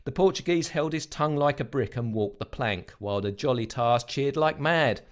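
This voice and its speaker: Man playing a hearty young sailor-tale teller, mid-pitched, storybook reading. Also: moderate pace, lightly acted. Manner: hearty, blustering nautical storytelling.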